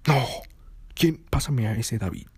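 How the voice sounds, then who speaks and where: A man's voice: medium pitch, unhurried, breathy edge, no room sound. A man voicing a jealous, possessive young boyfriend who fires off the same demanding questions again and again. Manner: insistent, interrogating, repeats questions.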